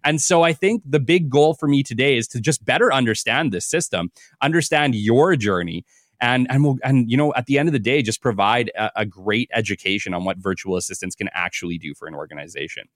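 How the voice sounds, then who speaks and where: A man's voice: mid-range voice, a little fast, a bit bright, no echo. A male podcast host with an upbeat, enthusiastic delivery and an easy laugh. His mid-range voice sits close to the mic in a dry, dead-sounding space. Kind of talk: scripted intro reading, then casual interview chat.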